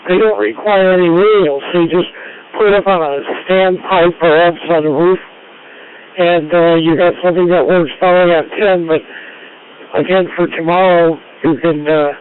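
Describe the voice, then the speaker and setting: A man running an amateur radio net over two-way radio, explaining things in a casual, halting way. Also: high voice, steady tone, clean tone, phone-quality sound. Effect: two-way radio transmission. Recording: band-limited two-way radio audio.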